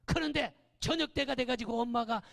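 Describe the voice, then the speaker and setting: In a church sanctuary with long hall reverb, a male pastor delivers a spirited sermon, often shouting and firing quick "eh?" questions at the congregation. His voice is very high-pitched and gravelly.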